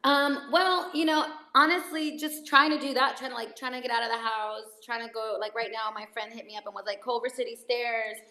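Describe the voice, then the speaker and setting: A woman's voice: a little high, fairly even intonation, brisk, few pauses, bright, forceful tone, reverberant, poor audio. A woman from El Salvador, an actress, chatting casually and rambling with many fillers and restarts. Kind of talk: casual video chat.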